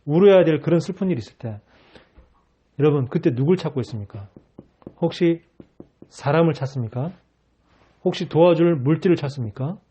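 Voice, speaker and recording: Emphatic man preaching, lively pitch. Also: fairly quick, long pauses, slightly rough. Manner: emphatic preaching with rhetorical questions. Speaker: pastor. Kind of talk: sermon.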